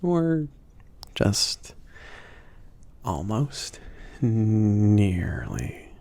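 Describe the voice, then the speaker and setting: Easygoing mage shopkeeper, male actor, ASMR roleplay: low, slow, hesitant half-whisper, softly teasing and bashful, breathy with some gravel. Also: big pitch swings, full character voice. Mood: gently teasing. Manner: hesitant, rambling, gently teasing.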